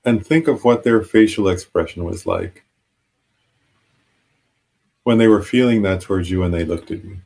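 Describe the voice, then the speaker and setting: Husky, low man guiding meditation. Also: animated. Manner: halting, unscripted, gentle instruction with long pauses. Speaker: meditation teacher. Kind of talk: guided meditation.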